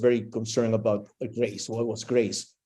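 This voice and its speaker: With a Spanish accent, a man at a medium pitch talks at a fairly quick pace in a dark, mellow tone. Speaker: spiritual community member. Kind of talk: interview. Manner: halting.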